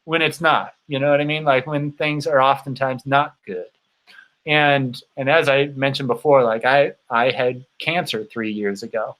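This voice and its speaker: A man in his thirties hosts a casual livestream in a medium-pitched voice. He talks informally and rambles, often halting to find his thought. His voice is tiring from long use. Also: fairly even intonation, a bit bright, low-quality recording. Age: 30s. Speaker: host of a bicycle touring channel.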